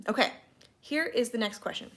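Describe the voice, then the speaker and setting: A woman's voice: a little high, a little slow. Lady host, kinda tipsy, chatty and playful, lots of um and like. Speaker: podcast co-host answering listener questions. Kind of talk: casual tipsy livestream Q&A.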